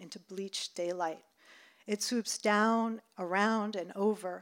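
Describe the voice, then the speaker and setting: At a fairly slow pace, a woman with an American accent speaks at a medium pitch with fairly even intonation in a very clean recording with a silent background. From US Northeast, western Massachusetts. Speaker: writer and filmmaker. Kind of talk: reading aloud and panel Q&A. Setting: bookstore stage with audience. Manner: halting, many fillers.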